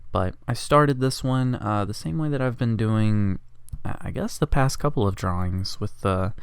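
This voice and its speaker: A man's voice: fairly low pitch, normal speed, clean tone, no room sound. Congested man rambling casually. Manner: rambling, jokey, self-deprecating. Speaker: art vlogger. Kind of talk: casual rambling narration over drawing.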